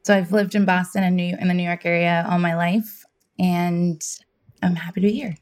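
A woman's voice: fairly low pitch, fairly even intonation, normal speed. A woman from Massachusetts, a podcast guest, speaking briefly and in a friendly way, a little away from the mic. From Massachusetts, United States. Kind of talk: casual self-introduction.

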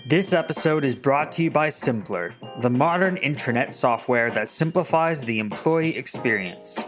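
A man's voice: mid-range voice, lively intonation, normal speed, a bit bright, soft background music. A man reading a short sponsor advertisement in a polished promotional tone. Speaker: sponsor announcer. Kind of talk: read advertisement.

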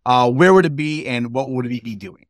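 A man's voice: medium pitch, normal speed, no room sound, studio quality. Upbeat male podcast co-host. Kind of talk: podcast interview hosting. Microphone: video call.

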